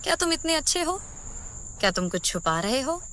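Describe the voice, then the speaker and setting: A woman's voice: high voice, sing-song, fairly quick, sharp tone, a little hiss or hum, exaggerated voice. A woman voicing an anxious young female student who pleads and frets, in a dubbed drama. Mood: worried. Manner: worried, pleading. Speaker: student trainee.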